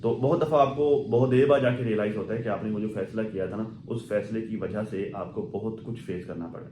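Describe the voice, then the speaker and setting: A man's voice: on the low side, fairly even intonation, brisk, warm tone, a little hiss or hum. A man giving casual, rambling commentary on social media gossip, full of fillers and asides. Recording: echoey room.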